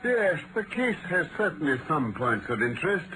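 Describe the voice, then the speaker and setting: Gentleman sleuth: English, crisp, coolly commanding, very varied melody, vintage radio drama with obvious noise. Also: a little high, very animated, moderate pace. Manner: crisp, incisive, theatrical. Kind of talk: 1940s-style radio acting.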